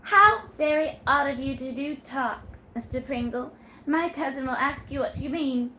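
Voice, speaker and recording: A woman's voice: moderate pace, pushed and bright, a little hiss or hum. A woman doing a coy, sing-song young barmaid. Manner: demure, teasing, high and sing-song. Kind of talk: read-aloud storytelling. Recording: roomy echo.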